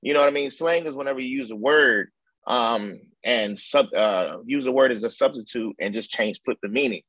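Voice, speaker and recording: A man's voice: mid-range voice, moderate pace, fairly bright tone, no room sound, low-quality recording. A man with an African American accent explaining casually in a discussion, often adding "you know what I mean". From United States.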